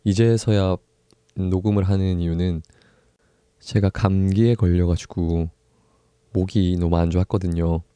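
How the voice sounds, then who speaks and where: Low, mellow Korean-speaking man hosting a book podcast. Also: fairly even intonation, smooth, no room sound. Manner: soft-spoken, unhurried, with pauses and small laughs. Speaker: podcast host. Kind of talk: casual solo book podcast talk.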